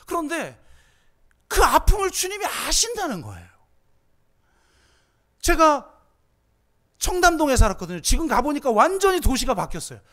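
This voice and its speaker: A middle-aged man preaching a sermon as pastor, telling stories emotionally, moving from hushed tones to impassioned pleas. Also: very high-pitched, sing-song, normal speed, long pauses.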